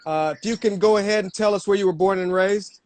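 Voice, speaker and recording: A man's voice: high voice, quick pace, darkish tone, a little hiss or hum. A man hosting a casual interview over a video call, speaking in an easygoing way with "uh" fillers. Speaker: interview show host.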